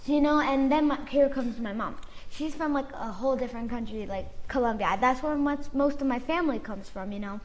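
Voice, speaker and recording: High-voiced chatty Florida woman. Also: fairly quick. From Florida, United States. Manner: chatty, switches between English and Spanish, many "like"s. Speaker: co-host of a family chat. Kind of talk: casual chat.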